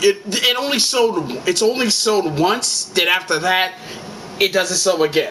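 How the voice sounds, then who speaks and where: A raised, projected voice with lively intonation and an animated tone. The pace is fairly slow, with noticeable background noise. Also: man. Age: 30s. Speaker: gaming YouTuber. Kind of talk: rant.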